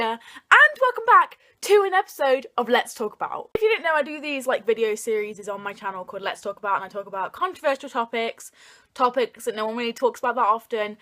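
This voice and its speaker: A woman's voice: on the high side, sharp tone. A young adult woman hosting an opinion vlog, talking straight to viewers in an informal, earnest and emphatic way. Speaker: video host.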